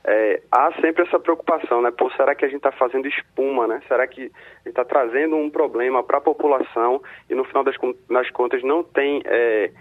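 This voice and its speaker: Husky Brazilian man over a crackly phone line. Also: medium pitch, fairly quick. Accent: Brazilian Portuguese. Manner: explains step by step, often trailing into tag questions. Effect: crackly, tinny phone line. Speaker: city innovation secretary. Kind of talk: interview answers by phone. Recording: tinny phone-line audio.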